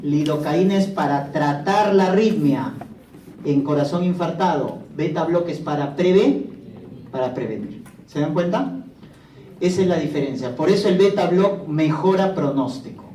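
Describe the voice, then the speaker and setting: A man's voice: a little high, moderate pace, mellow, far from the mic, slight background noise. Man lecturing in an echoey classroom. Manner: quizzes students with questions he answers himself. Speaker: pharmacology lecturer.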